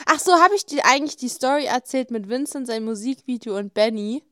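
A woman co-hosting a casual podcast, telling stories in an animated way and often laughing, on a close mic. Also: fairly high pitch, brisk, no echo. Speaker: podcast co-host. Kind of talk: casual chat.

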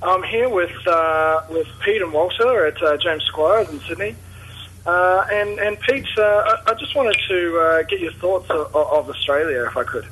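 A man's voice: sits high, a little slow, fairly bright tone, husky. A man with a New Zealand accent leaving a playful voicemail, hesitant and full of fillers, recorded over a phone line. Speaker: caller. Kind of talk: voicemail with mock interview. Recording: phone line with faint noise.

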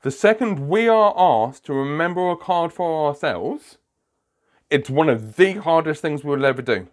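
A man's fairly high, lively voice moves a little slowly. He's a magician running his own podcast and casually recounting a funny story. Chatty and prone to laughter, he often digresses.

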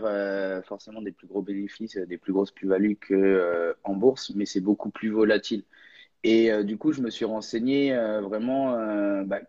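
A man's voice: on the low side, warm tone. A young man, a guest content creator, talking casually and hesitantly on a live stream. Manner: hesitant, lots of fillers and restarts, laughs easily. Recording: lo-fi online audio.

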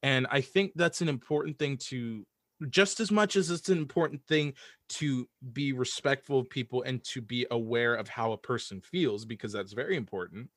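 A man's voice: medium pitch, normal speed, fairly bright tone, dry recording, studio quality. A man in a casual podcast chat, talking hesitantly and repeating words as he hedges his points. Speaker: podcast guest, audio drama writer.

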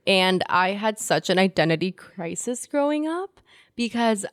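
A woman's voice: medium pitch, expressive, measured pace, no echo. A young woman from Indiana whose first language was Spanish, co-hosting a podcast in a candid, laughing casual chat. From Indiana, United States. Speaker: podcast co-host.

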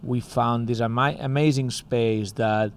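A man's voice: medium pitch, fairly even intonation, a little slow. Spanish guy co-founder just chatting, lots of likes and you knows, faint hiss behind. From Spain. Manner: rambling, heavy use of "like" and "you know". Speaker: music school co-founder. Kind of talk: casual interview chat.

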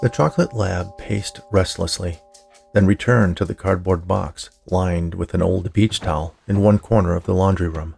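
A man's voice: sits low, normal speed, vocal fry, a little mellow, soft background music. A man hosting his fiction podcast, reading scripted introductions and stories in an audiobook style. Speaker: podcast host, writer and narrator.

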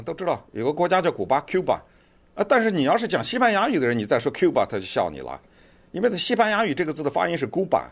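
Man commentator with a lively pitch. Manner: chatty, digressive, lots of fillers. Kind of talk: casual online commentary.

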